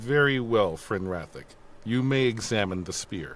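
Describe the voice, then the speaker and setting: A put-on character voice at a moderate pace over clear background noise. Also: man, medium pitch for a man. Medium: actual play. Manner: formal, stiff.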